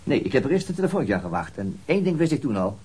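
A brisk, methodical male detective, played by a radio actor, with a mid-pitched voice. He speaks quickly and politely, matter-of-fact and persistent, as in a radio drama. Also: big pitch swings, a little mellow, lightly acted. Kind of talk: Dutch radio drama acting.

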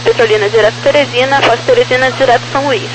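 A highish-voiced Brazilian woman speaks as an air traffic controller over a crackly aviation radio with clear noise and hum. She delivers clipped, procedural instructions in standard phraseology, spelling out codes with the phonetic alphabet. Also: fairly even intonation, racing.

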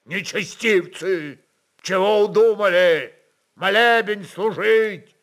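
A man voicing a hot-tempered old metropolitan, indignant and denouncing with a shout in an audio story. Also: high voice, slow pace, voice pushed up. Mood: outraged.

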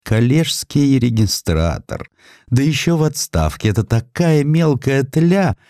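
A man's voice: mid-range voice, sing-song, a little slow, mellow, no echo, clean studio sound, pitched above the performer's own voice. A man voicing a contemptuous government official in an audiobook, talking in a drawling, scornful manner. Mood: withering contempt. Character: contemptuous male department official belittling a clerk.

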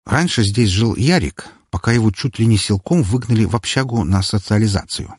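A man's voice: lowish voice, lively intonation, a little fast, darkish tone, slightly rough, dry recording, clean studio sound. A man narrating first-person fiction in a wry, matter-of-fact way. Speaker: audiobook narrator.

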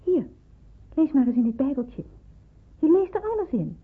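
A woman's voice: high voice, big pitch swings, normal speed. An actress playing an earnest young Jewish woman in hiding in a Dutch radio play, speaking with emphatic, pleading conviction. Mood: earnest, fervent. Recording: muffled narrowband old radio play.

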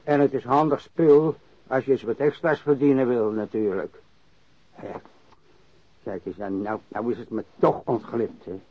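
An actor playing a crusty old warehouse worker and ex-sailor who grumbles and rambles bluntly, in a radio drama. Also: male voice, medium pitch, steady tone, a little slow, no echo, natural voice. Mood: grumbling, reminiscing. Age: older. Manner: grumbling, rambling, cursing, repeats himself. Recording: dry, dull lo-fi radio recording.

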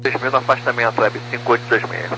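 A man's voice: mid-range voice, steady tone, fast. A man speaking as a pilot in procedural phrases over a two-way aviation radio. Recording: humming, noisy aviation radio.

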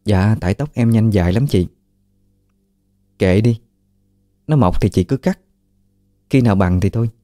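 Man doing a young female ghost, soft-spoken, sly, eerie, Southern Vietnamese accent. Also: on the low side, moderate pace, long pauses, in a large hall, faint music behind, close to an everyday voice.

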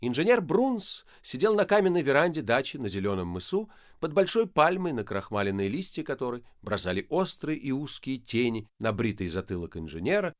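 Lively male audiobook narrator. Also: mid-range voice, dry recording, studio quality. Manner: expressive, lively storytelling. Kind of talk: scripted narration of a novel.

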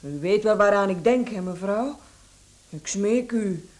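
A woman's voice: mid-range voice, measured pace, a little mellow, close to an everyday voice. A woman acting a timid, servile housemaid in a radio play, pleading and deferential. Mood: pleading, frightened.

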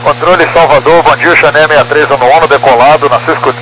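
A man's voice: fairly high pitch, fairly even intonation, quick pace. A man with a Brazilian Portuguese accent, a pilot making clipped, formulaic radio calls over a cockpit headset. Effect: pilot speaking over a cockpit headset radio. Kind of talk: air traffic radio calls. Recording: noisy aviation radio channel.

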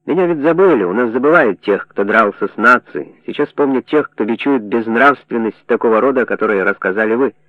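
Мужчина-чтец играет циничного западного журналиста, говорит резко и напористо. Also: male voice, medium pitch, brisk, few pauses, no echo, lightly acted. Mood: brash. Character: cynical Western journalist, brash man. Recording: dry narrow phone-like sound.

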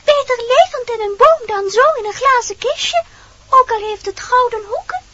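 A woman's voice: very high-pitched, animated, normal speed, pushed and bright, highs cut off, slight background noise, exaggerated voice. A woman playing a small, cheeky, plaintive girl creature in a fairy-tale radio play. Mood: cheeky, mocking.

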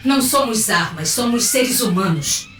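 A woman's voice: fairly high pitch, lively intonation, normal speed, a bit bright, far from the mic. Casting: actress as reprogrammed android war leader, female, clipped and cold, echoey audio drama, slightly off mic. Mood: defiant. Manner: clipped, commanding. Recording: echoey, off mic, faint music.

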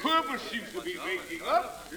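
A man's voice: high-pitched, sing-song, normal speed, a crowd in the background. A man playing a jovial country auctioneer in an old radio drama, calling bids with chuckling showman patter. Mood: hearty.

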